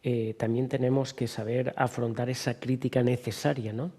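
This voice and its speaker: Male TV host, mellow dark voice, measured hesitant questions. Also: mid-range voice, flat delivery, breathy edge. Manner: asks long framed questions with hesitations. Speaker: TV interviewer host. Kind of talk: TV interview questions.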